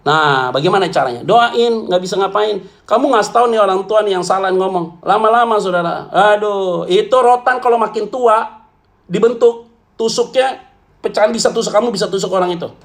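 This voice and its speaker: High-voiced blunt joking pastor, a man. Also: moderate pace, vocal fry. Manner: blunt, joking, colloquial, calls listeners "saudara". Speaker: pastor answering questions. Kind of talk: church Q&A talk.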